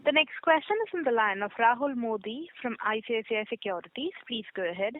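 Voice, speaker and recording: A woman's voice: fairly high pitch, lively intonation, quick pace, no room sound. A woman making formal, scripted announcements as a conference call operator. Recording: noisy tinny telephone line.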